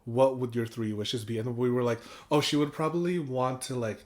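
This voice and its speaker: A young man hosting a podcast, chatting casually with a friend, animated and laughing often. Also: medium pitch, normal speed. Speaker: podcast host. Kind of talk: casual chat.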